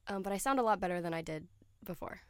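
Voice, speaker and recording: A woman's voice: medium pitch, fast, clear, resonant tone, no echo, studio quality. A young woman hosting her own podcast, talking casually and chattily with lots of fillers, sounding a little nasal and stuffy from a cold. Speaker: podcast host. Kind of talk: casual solo podcast chat.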